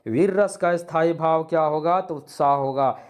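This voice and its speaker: A man's voice: a little high, moderate pace, clear, resonant tone. A male teacher giving a lesson on poetry, asking questions and answering them himself, and reciting verses with rising emphasis.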